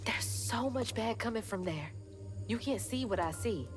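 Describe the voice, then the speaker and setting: A woman's voice: a little high, animated, moderate pace, faint music behind, close to an everyday voice. An actress playing a determined young heroine in a video game, terse and resolute, who also narrates her story reflectively. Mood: pleading.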